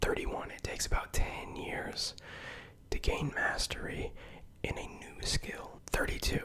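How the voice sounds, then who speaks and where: A whispering voice comes through noticeable background noise. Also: fairly slow pace. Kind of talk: whispered ASMR list reading, casual and humorous. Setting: cramped guest bathroom recording with mic bumps. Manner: whispered, soft-spoken.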